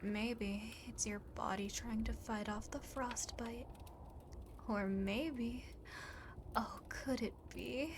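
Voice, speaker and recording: A woman voicing a lonely, possessive female demon in an ASMR roleplay, softly, often whispering, with teasing, smug condescension, on an amateur home mic. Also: on the high side, fairly even intonation, takes it slowly. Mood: mocking amusement. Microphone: close home microphone, not binaural. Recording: noisy amateur home microphone recording.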